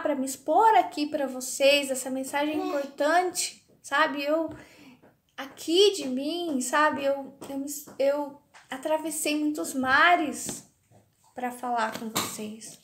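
A woman's voice: high voice, a bit bright, slight background noise. A woman in her thirties giving a casual devotional talk, speaking hesitantly and often checking in with her listeners. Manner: hesitant, keeps asking "sabe?". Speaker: faith vlogger. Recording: echoey room.

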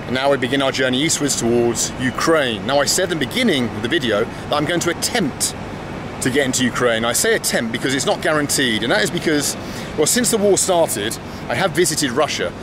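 A man's voice: medium pitch, animated, a little fast. A man in his thirties chatting with wry asides to a handheld camera at arm's length, vlogging his travels through a big train station and onto a train. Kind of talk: casual travel vlog to camera. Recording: noisy station and train ambience.

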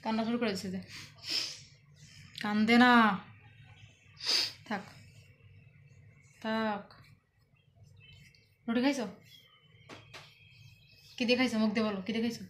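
In this casual home vlog, a Bangladeshi woman addresses her viewers while gently coaxing and teasing the husband she's filming. Her high-leaning voice stays steady at a moderate pace, she pauses often, and slight background noise is present.

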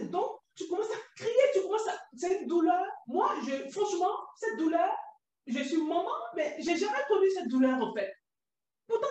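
A woman's voice: high-pitched, a little mellow. Shaken woman in an echoey room. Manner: raw, halting, often near tears. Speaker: guest giving testimony. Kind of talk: emotional personal testimony. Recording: echoey room, distant from the mic.

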